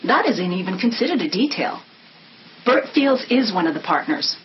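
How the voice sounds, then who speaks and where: An actress as a stern, exacting female boss with animated pitch movement. The drama recording is dull, with faint noise. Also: normal speed, natural voice. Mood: stern, reproachful. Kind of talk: screen drama acting.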